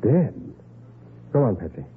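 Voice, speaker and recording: An actor playing a decisive master detective, incisive and urgent, in a 1940s radio drama. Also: male voice, lowish voice, very animated, unhurried. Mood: concerned, disbelieving. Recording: noisy, narrow-band 1940s radio recording.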